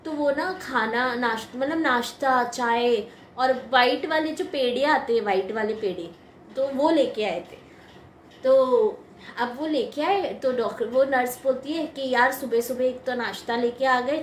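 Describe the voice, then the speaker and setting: Young woman, high-pitched and chatty, sharing a devotional anecdote, quick laughs, echoey room with a faint hum behind. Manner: chatty, laughs often, mixes English words. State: eight months pregnant. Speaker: devotional satsang storyteller. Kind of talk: casual spoken testimony to followers.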